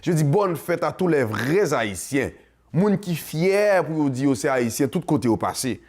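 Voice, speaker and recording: A man with a Haitian accent hosts a community show in a casual monologue to camera, speaking passionately, mixing Creole into his French, and singing. His voice is on the high side and a little mellow, with lively intonation at a measured pace.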